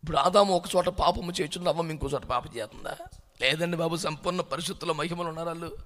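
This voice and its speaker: A man preaching a sermon, animated, asking rhetorical questions and dropping English words into his talk. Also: on the high side, fast. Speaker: pastor.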